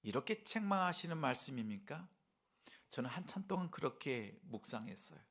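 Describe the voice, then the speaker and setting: A male pastor preaching a sermon, asking the congregation rhetorical questions and swinging between soft whispers and a raised pleading voice. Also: mid-range voice, sing-song, moderate pace, gravelly.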